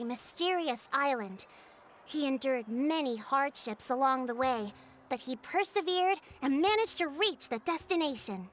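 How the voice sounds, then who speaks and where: A woman voicing a composed, diplomatic tribal chief in a video game, speaking in a polite, measured, formal way as she recounts legends and explains plans. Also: sits high, a bit bright, slight background noise. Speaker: tribe chief.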